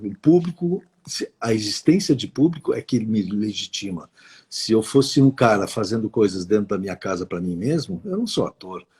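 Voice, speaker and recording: A man's somewhat breathy, medium-pitched voice with very wide pitch swings, at a moderate pace, in a dry, close sound with no echo, on a very clean recording with a silent background. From southern Brazil (Rio Grande do Sul). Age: 60s. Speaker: actor and filmmaker. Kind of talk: interview. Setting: live stream.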